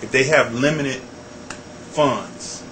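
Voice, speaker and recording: American dude doing an interview, normal pitch, direct questions broken into points, pretty noisy background. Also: male voice, slow pace, a bit bright. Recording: clearly noisy ambient recording.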